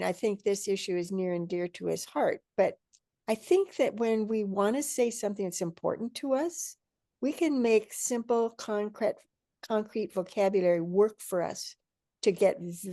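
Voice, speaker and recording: Older lady academic, gravelly relaxed voice, measured and emphatic, video call, pretty dry sound. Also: mid-range voice, no echo. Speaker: teacher educator and researcher. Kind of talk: thoughtful explanation in an online panel. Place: indoor room at home or office, video call.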